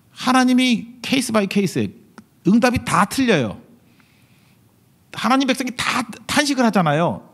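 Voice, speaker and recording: A man's voice: sits high, vocal fry. A middle-aged male pastor preaching a sermon, joking and mimicking biblical figures as he goes.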